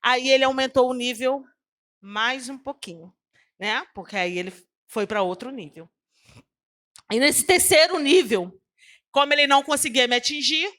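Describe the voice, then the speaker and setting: A woman preacher telling her own testimony in a high-pitched voice with a bright edge. Her storytelling is emotional and acts out the dialogue, and she breaks off to speak straight to the congregation. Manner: preachy asides to the audience. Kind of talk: testimonial sermon.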